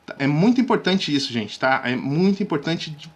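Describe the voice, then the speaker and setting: Lively man coaching viewers. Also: fairly high pitch, normal speed. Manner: lively, drops suddenly to near-whispers to show technique; chatty, addresses viewers directly with frequent "tá?". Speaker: communication coach. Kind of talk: casual video lesson.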